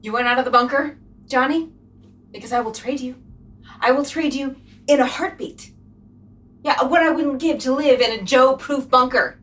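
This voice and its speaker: An actress playing an exasperated, sharp-tongued wasteland woman in a comedy audio drama, emphatic and fed up. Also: high-pitched, normal speed, long pauses, far from the mic. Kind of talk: post-apocalyptic comedy audio drama acting.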